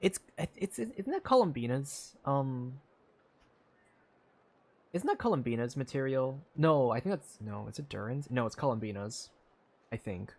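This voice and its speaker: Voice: medium pitch, animated, measured pace, darkish tone. A game streamer giving casual, informal commentary and reading lines aloud, with some swearing. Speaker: streamer playing a video game.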